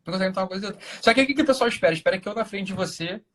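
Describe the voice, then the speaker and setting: A man hosting a casual live-stream conversation with a Brazilian Portuguese accent, animated, jumping into silly voices to make his point. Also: high-pitched, racing. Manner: animated, acts out silly voices mid-explanation. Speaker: host.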